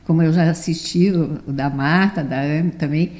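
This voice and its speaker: A woman's voice: low voice, fairly even intonation, normal speed, a little mellow. A woman in her seventies, a theatre director, telling stories from her childhood in a chatty, rambling way. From Brazil, born in Rio de Janeiro, raised in the south. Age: 70s. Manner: chatty, rambling, frequent "né" tags. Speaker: theatre director, interview guest. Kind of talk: relaxed storytelling in an interview.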